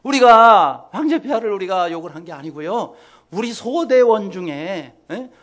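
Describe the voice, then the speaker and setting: A man's voice: sits high, expressive, normal speed, fairly bright tone, voice pushed up. A man voicing a frightened young male soldier who pleads and stammers before his ruler. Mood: pleading.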